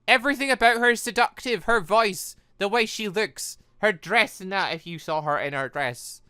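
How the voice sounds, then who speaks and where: A man's voice: high-pitched, moderate pace, sharp tone, smooth, no room sound, studio quality. A man giving casual, rambling commentary over a game playthrough, reading dialogue and reacting with stammering asides. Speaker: gaming video host.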